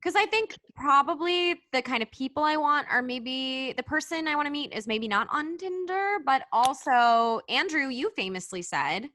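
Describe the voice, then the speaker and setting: A woman hosting a casual podcast chat, chatty and quick with short interjections. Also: sits high, lively intonation, sharp tone. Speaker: podcast host.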